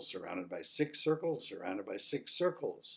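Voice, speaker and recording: A man at a moderate pace. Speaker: professor. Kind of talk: lecture. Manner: animated.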